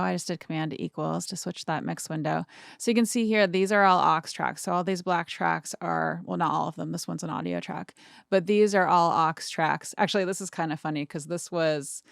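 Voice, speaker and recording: A woman's voice: lowish voice, normal speed, gravelly, no echo. A woman in her thirties hosting a casual music mixing tutorial, thinking aloud informally as she demonstrates, recorded close in a small studio. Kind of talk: casual screen-share tutorial talk.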